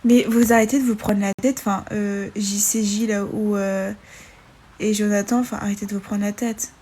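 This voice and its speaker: A woman's voice: medium pitch, little pitch movement, moderate pace, warm tone. A woman in her twenties hosting a casual live stream on her phone, reading viewer questions aloud and chatting back with many fillers and restarts. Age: 20s.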